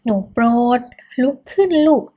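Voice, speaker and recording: A woman's voice: measured pace, mellow, natural voice. A woman voicing a stern but doting middle-aged mother who soothes a crying young man. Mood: soothing. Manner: scolding, then soothing.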